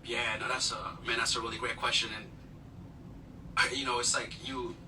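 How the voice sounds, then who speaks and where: A man's voice: mid-range voice, little pitch movement, unhurried. A man from Uganda, a guest telling his life story in an earnest, humble way with many fillers. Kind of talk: personal storytelling interview. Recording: distant mic with noticeable noise.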